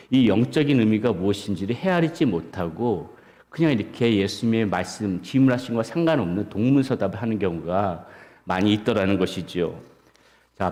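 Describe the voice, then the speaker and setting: Male pastor, low voice, sermon with relaxed storytelling, church-hall echo. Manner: storytelling with humorous anecdotes, unhurried. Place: church sanctuary. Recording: long church-hall reverb.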